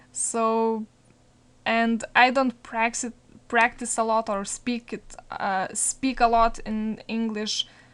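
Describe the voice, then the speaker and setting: A woman speaks with a Lithuanian accent at a fairly high pitch over a quiet background. Her pace is very slow and her intonation monotone and flat. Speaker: microphone reviewer. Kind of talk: tutorial. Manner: halting, many fillers.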